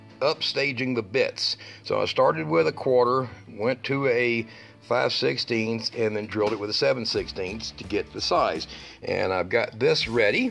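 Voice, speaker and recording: A man talks at a moderate pace with faint music behind him. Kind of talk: tutorial. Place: workshop. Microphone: phone near.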